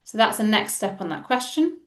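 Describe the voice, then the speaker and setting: A woman's voice: medium pitch, sing-song, fairly quick. A woman presenting in a live webinar, recorded with a roomy sound at some distance from the microphone.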